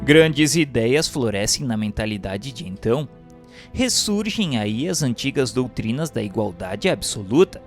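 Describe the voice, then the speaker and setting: A man reading scripted narration in a formal, solemn, measured manner. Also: mid-range voice, expressive. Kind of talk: scripted audiobook-style narration of a spiritual history text. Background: instrumental music.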